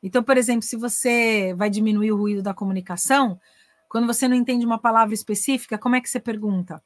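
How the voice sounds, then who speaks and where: Lively Brazilian woman teaching English. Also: fairly high pitch, fast talker, dry recording. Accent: Brazilian Portuguese. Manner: lively, acts out dialogues, switches between Portuguese and English. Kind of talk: casual online masterclass.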